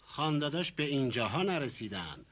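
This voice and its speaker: A courteous, placating family man in a TV comedy drama. His bright voice moves up and down as he soothes others. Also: mid-range voice, big pitch swings.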